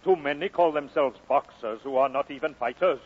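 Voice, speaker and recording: An actor playing a gruff, courteous Welsh prizefighter in a vintage film drama, with a husky voice. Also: male voice, on the high side, fairly quick. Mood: polite. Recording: dull vintage film soundtrack.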